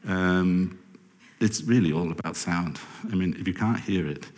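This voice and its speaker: Guy rambling thru a talk on stage, lowish voice, lots of self corrections and dry jokes, big echoey hall. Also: unhurried, a little mellow. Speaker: podcast producer giving a talk. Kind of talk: conference talk. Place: lecture hall with audience. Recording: reverberant hall.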